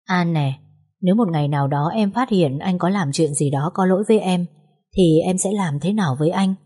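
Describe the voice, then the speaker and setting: A woman voicing a caring, troubled young husband, talking softly and reassuringly. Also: lowish voice, a little fast, breathy edge. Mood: tender. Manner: soft, reassuring, hesitant.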